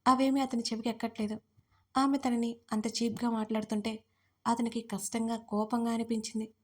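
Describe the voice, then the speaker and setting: Lady narrator reading a drama audio story, steady, fairly high voice. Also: normal speed. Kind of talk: scripted narration.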